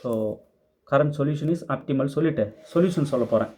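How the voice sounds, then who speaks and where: Mellow-voiced man teaching math step by step. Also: on the high side, normal speed, husky. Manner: methodical, step-by-step, mixes English terms into Tamil; answers students' doubts in a patient tone. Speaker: maths teacher. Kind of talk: explaining worked problems in class.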